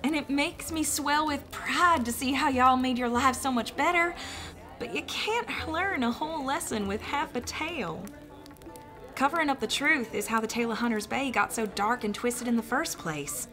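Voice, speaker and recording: A woman's voice: sits high, normal speed, pushed and bright, faint music behind. A woman playing a plucky, teasing young ghost of a village sister in an audio drama, with a folksy, plain-spoken manner. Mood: earnest.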